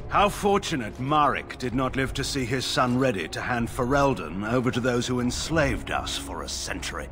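An actor playing a stern older military commander in a fantasy game, disdainful and commanding. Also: male voice, medium pitch, very animated, normal speed, over music, close to an everyday voice. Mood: scornful. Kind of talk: fantasy video game acting.

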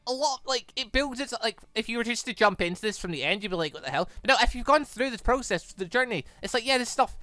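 A man's voice: extremely high pitch, animated, fast talker, few pauses, pushed and bright, dry recording. A man hosting a gaming channel, rambling enthusiastically as he wraps up a visual novel playthrough. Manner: rambling, enthusiastic, many restarts. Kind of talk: casual game wrap-up commentary.

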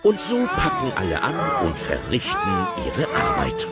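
Ein Mann erzählt in einem Hörspiel nach Drehbuch, lebendig und ausdrucksvoll. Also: male voice, medium pitch, wildly swooping pitch, a little slow, loud music behind the voice. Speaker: narrator. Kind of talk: scripted audio drama narration.

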